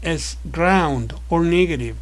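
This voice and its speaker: A man narrating a scripted electronics tutorial as an instructor, explaining in a measured, methodical way. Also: fairly high pitch.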